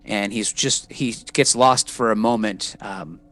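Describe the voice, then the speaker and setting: A man with a fairly low voice talks through a character's thoughts in a tabletop game. His narration is casual and conversational. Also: a little slow, fairly bright tone.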